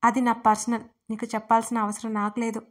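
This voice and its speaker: A woman's voice: sits high, steady tone, fairly quick. A woman voicing a tearful young heroine. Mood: firm. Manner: pleading, anxious questions.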